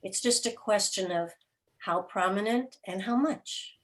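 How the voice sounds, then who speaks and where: Woman explaining in deliberate, emphatic phrases. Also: mid-range voice. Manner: deliberate, emphatic, speaks in short broken phrases. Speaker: guest, radio drama and podcast producer. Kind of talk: explanatory interview conversation.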